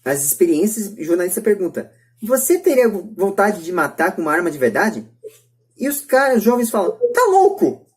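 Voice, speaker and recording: A woman's voice: mid-range voice, sing-song, normal speed, a little mellow. A Brazilian woman giving her opinions in a podcast discussion, emphatic and repeating her points. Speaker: podcast speaker.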